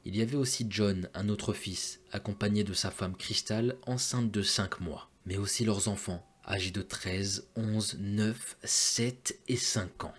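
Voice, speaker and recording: A man's voice: lowish voice, slightly rough. A man narrating a true crime story in a casual, chatty way, talking straight to his viewers with joking asides.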